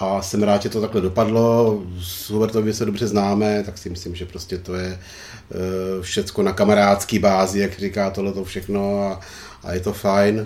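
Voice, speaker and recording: Over noticeable background noise, a man speaks at a moderate pace in a fairly low, monotone, flat voice. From eastern Bohemia, Czech Republic. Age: 60s. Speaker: tourist. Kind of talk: interview.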